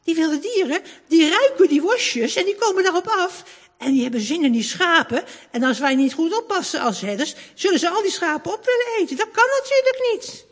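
A woman voicing a patient, gently firm father as she reads a children's story aloud. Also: extremely high pitch, brisk, pitched above the performer's own voice. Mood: explaining. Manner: calm, explaining, gently firm. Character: patient outdoorsy father, a grown man. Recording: long hall reverb.

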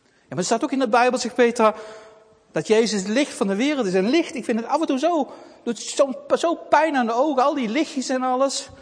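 A man voicing a brave, anxious little girl, raised high and pleading. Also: fairly quick. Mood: wistful. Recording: long reverb.

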